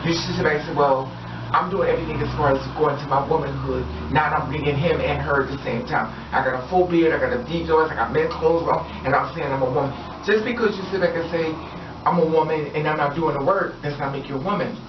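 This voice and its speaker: A woman's voice: sits low, fast talker, background noise. Woman vlogger, emphatic, repeats herself, echoey room, far from the mic, dull lo-fi sound. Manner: emphatic, repetitive, preachy. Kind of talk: casual opinion monologue. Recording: roomy, distant, dull lo-fi audio.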